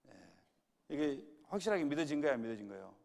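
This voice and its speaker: A man's voice: on the high side, very animated, quick pace, gravelly, a little mellow. A male pastor preaching a sermon to his congregation in a church hall, quizzing them with repeated right-or-wrong questions.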